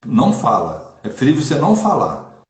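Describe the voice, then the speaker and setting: A Brazilian Catholic preacher speaking in a casual online chat, earnest and emphatic, repeating phrases for stress. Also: male voice, mid-range voice, huge pitch swings, moderate pace, echoey room.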